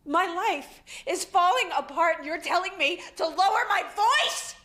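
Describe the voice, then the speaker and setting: An actress playing a wealthy man's unhappy grown daughter, sharp and accusing. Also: sits high.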